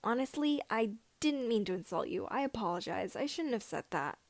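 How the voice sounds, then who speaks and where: A woman reading the part of an eager, earnest seventeen-year-old boy mechanic, chatty and excitable, in a fan fiction story. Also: mid-range voice, normal speed, creaky, dry recording. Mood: apologetic.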